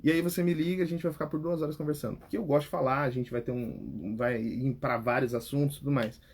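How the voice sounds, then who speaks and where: A young adult man with a Brazilian Portuguese accent, giving advice on public speaking as a coach in a direct, animated chat. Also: mid-range voice, fast, gravelly, slightly rough. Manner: animated, direct, repeats words and restarts. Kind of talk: casual advice talk.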